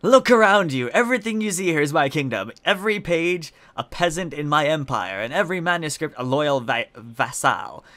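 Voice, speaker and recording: A man's voice: on the high side, pitched above the performer's own voice. Man voicing a pompous, shushing librarian. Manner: shushing, demanding quiet. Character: pompous, imperious librarian who shushes visitors. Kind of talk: quest dialogue read aloud in a game video.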